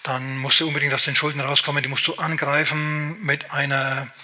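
Bright, energetic male preacher. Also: fairly high pitch, fairly quick. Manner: lively, exclaiming, talks straight to the listener. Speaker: pastor. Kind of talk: sermon.

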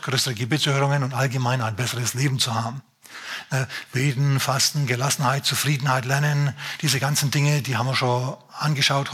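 A man's voice: mid-range voice, a bit bright, breathy edge. A man preaching a sermon as pastor, emphatic and speaking straight to his listeners.

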